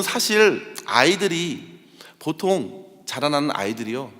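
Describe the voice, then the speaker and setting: A high-voiced male pastor preaches with a lively, swooping delivery, moving from storytelling to fervent appeals. His voice rings with the long reverb of a church sanctuary. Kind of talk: sermon.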